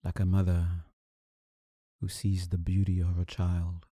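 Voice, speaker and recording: A man leading a guided meditation as a teacher, speaking calmly and soothingly with long, deliberate pauses. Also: deep voice, no echo, clean studio sound.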